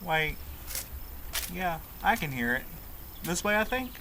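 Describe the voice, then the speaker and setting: A man's voice: high-pitched, big pitch swings, takes it slowly, bright, forceful tone, a little hiss or hum, full character voice. A man acting as a reluctant mail carrier in an audio drama. He is curious but unsure of himself, with a casual sardonic edge. Noticeable background ambience runs behind his voice.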